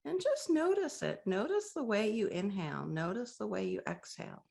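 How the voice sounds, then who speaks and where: A woman leading a guided breathing meditation, speaking softly and gently with long, inviting pauses. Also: mid-range voice, very animated, vocal fry.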